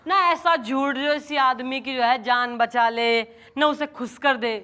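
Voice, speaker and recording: A woman's voice: sits high, fairly even intonation, measured pace, sharp tone. An actress playing a bossy, no-nonsense female officer in a sitcom, mixing broken English into her speech. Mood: helpful. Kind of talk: sitcom acting.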